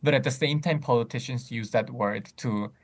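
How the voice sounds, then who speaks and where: A man in casual discussion, speaking thoughtfully with frequent pauses and restarts. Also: medium pitch. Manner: many fillers and restarts, thoughtful.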